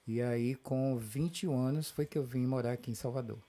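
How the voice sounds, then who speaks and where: A man from Pernambuco speaking calmly as a guest in a relaxed interview. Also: medium pitch, a little fast. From Petrolina, Pernambuco, Brazil. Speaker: guest, theater artist. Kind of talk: casual interview.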